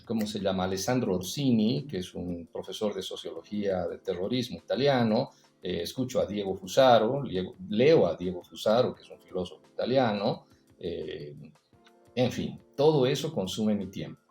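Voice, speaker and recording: A man's voice: on the low side, animated, normal speed, creaky, a little mellow, soft background music. Reflective man with an echoey sound. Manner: reflective, storytelling, frequent "eh" and tag "¿no?". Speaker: podcast guest. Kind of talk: casual conversational interview.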